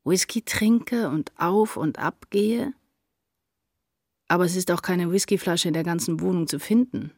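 A woman's voice: on the low side, a little slow, a little mellow, dry recording, studio quality. An actress playing an anguished woman writer, narrating her inner turmoil intensely and introspectively in a literary radio play. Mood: indignant, brooding.

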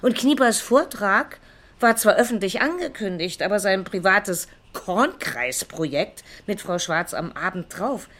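A persistent, composed female police investigator in a crime radio drama. She questions in a measured, formal way and keeps probing, with a voice of middling pitch. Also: expressive, a bit bright. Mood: probing, controlled.

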